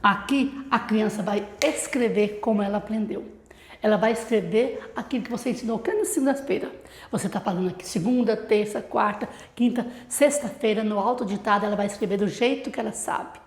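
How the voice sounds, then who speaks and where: A woman's voice: medium pitch, fairly quick, echoey room, slight background noise. A woman literacy teacher with a Brazilian accent, explaining a classroom routine to other teachers and asking rhetorical questions.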